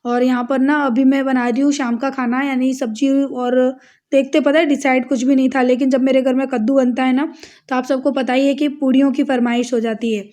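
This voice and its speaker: A high-pitched young woman from India talks casually to her viewers, walking them through her day at home. Her delivery is chatty and direct, like a family vlogger narrating chores. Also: flat delivery, brisk, a little mellow. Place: home, village house.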